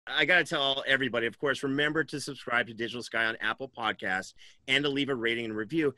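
Bright, forceful male podcast host. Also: medium pitch, fast talker, no echo. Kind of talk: interviewing and presenting to an audience. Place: indoors on a video call.

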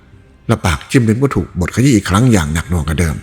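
A man narrating a novel aloud in an expressive storytelling read. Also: low-pitched, very fast. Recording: reverberant room with faint music.

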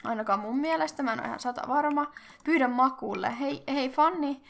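A young woman hosting casual game commentary, chatty and excitable, thinking aloud and squealing at cute animals. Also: high voice, creaky, slight background noise. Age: young adult. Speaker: gaming channel host.

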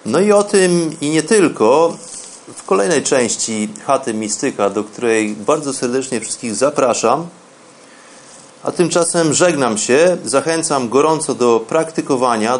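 A man hosting a radio show, giving instructional talk in an explanatory way, pausing now and then to find words. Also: mid-range voice, slight background noise. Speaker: host of a radio show on meditation.

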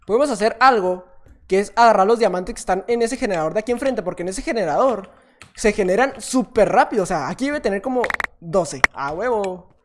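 A man with a Mexican Spanish accent giving chatty, self-mocking gameplay commentary, with sudden excited shouts. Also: high-pitched, fairly quick. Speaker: gaming YouTuber.

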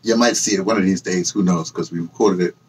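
A man in his sixties with a husky voice talks casually to camera, wandering between asides and correcting himself as he tells his story. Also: deep voice, fairly even intonation, quick pace. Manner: digressive, self-correcting storytelling. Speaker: host of a personal memoir channel, audio dramatist. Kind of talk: casual rambling monologue to camera. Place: small indoor room with bookshelves and hung clothes.

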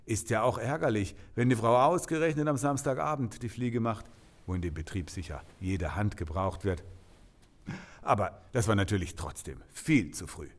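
An actor playing a breezy, gossipy police officer with a flippant, colloquial way of talking in an audio drama. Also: male voice, lowish voice, lively intonation, normal speed.

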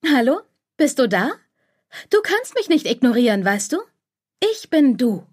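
Woman doing a high, nagging inner voice. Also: big pitch swings, a little slow, husky, exaggerated voice. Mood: wheedling. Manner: insistent, fearmongering, wheedling. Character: nagging anxious inner voice, girlish, clingy.

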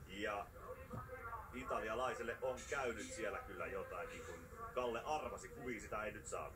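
A man giving live play-by-play commentary on a ski race, getting excited at the finishes. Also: mid-range voice. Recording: distant, noisy TV broadcast capture.

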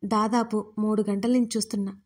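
A woman's voice: medium pitch, little pitch movement, a little fast, darkish tone, husky, natural voice. A woman voicing an exasperated young man who scolds in a sarcastic, mock-stern way.

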